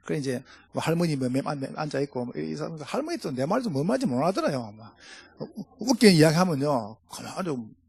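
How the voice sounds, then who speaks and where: A middle-aged man with a Gyeongsang Korean accent, preaching a humorous sermon to fellow pastors with lively storytelling. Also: a little high, fast, vocal fry, husky. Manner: storytelling, jokey, animated. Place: church.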